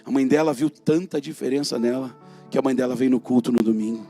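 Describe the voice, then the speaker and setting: A Brazilian man preaching a sermon, swinging from loud calls to the congregation to hushed asides. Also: mid-range voice, steady tone, a little fast, faint music behind. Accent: Brazilian Portuguese. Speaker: prophet preacher.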